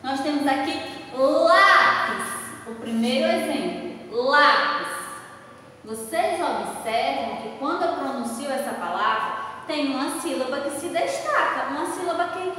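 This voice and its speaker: A Brazilian woman teaching young children speaks slowly and patiently, her high voice leaning hard on each stressed syllable. She sits well back from the mic in a booming, echoey room with a long reverb tail and a faint hiss behind her. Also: expressive. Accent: Brazilian Portuguese. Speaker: schoolteacher. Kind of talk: recorded lesson for children. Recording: echoey room heard from far off.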